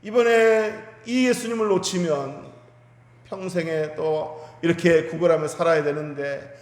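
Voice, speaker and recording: A man's voice: a little high, unhurried. A man preaching a Sunday sermon as pastor, retelling a Bible story with emphatic, rising delivery. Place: church sanctuary. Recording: echoey church hall with long reverb.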